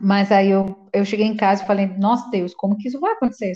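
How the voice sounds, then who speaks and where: A woman with a Colombian accent talks at a fairly quick pace in a dark, mellow, somewhat breathy tone at a fairly high pitch. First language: Spanish (speaking Portuguese). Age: 30s. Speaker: psychologist. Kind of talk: casual interview.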